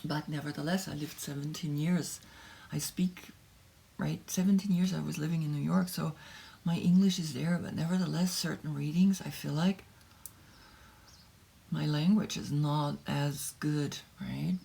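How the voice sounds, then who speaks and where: A tarot reader speaks slowly and softly, often dropping into a whisper. Her low voice is husky, with a gravelly fry. She thinks aloud as she goes. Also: fairly even intonation. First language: German. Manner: slow, soft, drifting into whispers, thinking aloud. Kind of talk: meditative tarot reading, partly translated.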